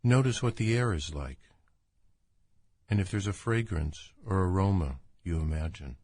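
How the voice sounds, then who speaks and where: A man leading a guided imagery relaxation as a doctor, speaking in a calm, soothing, unhurried manner. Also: low voice, no room sound. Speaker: doctor guiding a relaxation exercise.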